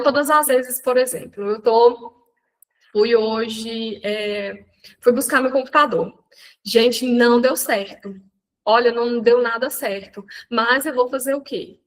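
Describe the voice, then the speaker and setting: A Brazilian Portuguese-speaking woman mentoring an audience in a live online talk, chatty and animated, often restarting her sentences. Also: fairly high pitch, measured pace, rough recording.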